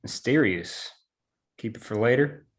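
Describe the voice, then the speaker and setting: A man's voice: mid-range voice, animated, unhurried, lightly acted. A man playing a flirty, teasing sweetheart at a screenplay table read.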